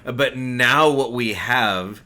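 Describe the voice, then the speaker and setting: Bright-voiced man co-hosting a gaming podcast. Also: mid-range voice, slow pace. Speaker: podcast co-host. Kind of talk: casual gaming podcast chat.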